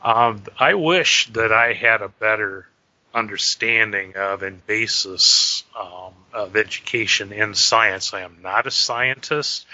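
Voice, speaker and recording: Deep-ish, very bright-voiced man, dull recording. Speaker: guest, paranormal journalist. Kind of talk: interview conversation. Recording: dull, lo-fi line.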